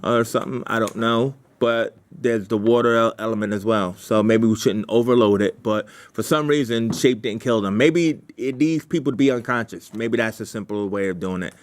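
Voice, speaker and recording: A man leading a writers' meeting in casual, halting talk, repeating himself as he thinks aloud and brainstorms. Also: medium pitch.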